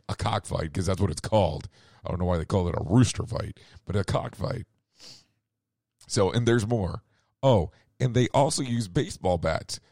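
A man hosts a radio talk show while his voice is going hoarse. His low voice sounds dry and close. He rambles through the news, corrects himself often and drops sarcastic asides. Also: a little mellow, dry recording. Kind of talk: casual news commentary.

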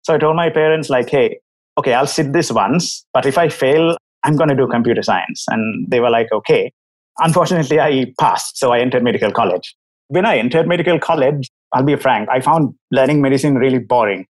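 A man's voice: medium pitch, fairly quick, low-quality recording. A man in his thirties from Sri Lanka with a Sri Lankan accent, a doctor guest telling his story frankly and articulately over a video call. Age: 30s. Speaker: doctor and company CEO, guest. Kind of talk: casual interview.

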